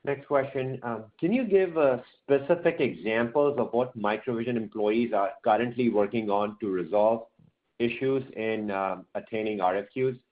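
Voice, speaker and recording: A man's voice: medium pitch, normal speed. A man moderating an investor conference call, reading submitted questions aloud. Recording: thin, phone-like conference line.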